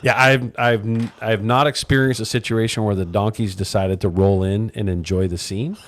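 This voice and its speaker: A man hosting a live radio talk show, telling stories loudly and with energy. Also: on the low side, normal speed. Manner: loud, energetic storyteller. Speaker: radio host. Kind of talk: casual chat.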